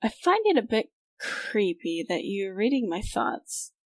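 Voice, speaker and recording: Mid-range young female voice, close dry sound, deadpan reluctant adventurer, audio drama, acted by a woman. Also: mid-range voice, unhurried, dry recording. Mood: dry, uneasy.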